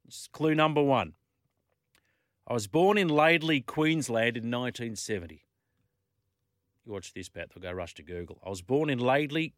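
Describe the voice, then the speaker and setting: A man with an Australian accent hosting an evening sports talk radio show, chatty and brisk, running through news and call-in details. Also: medium pitch, a bit bright, no room sound, studio quality. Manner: brisk, chatty, reads out phone numbers and clues.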